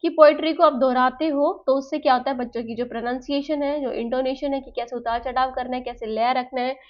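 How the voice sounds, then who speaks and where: High-pitched woman explaining a lesson. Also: fairly even intonation, fairly quick. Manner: explains in Hindi mixed with English terms, with frequent fillers. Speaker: teacher. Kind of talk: spoken lecture for teacher-training students. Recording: slightly dull, lo-fi sound.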